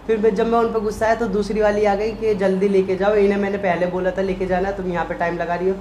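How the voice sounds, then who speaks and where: A man talks casually to camera, animated and emotional, acting out the people in his story. The room rings with echo, and a faint ambient hum sits underneath. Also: high voice, fast. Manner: emotional, animated retelling with quoted voices. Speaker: vlogger, husband.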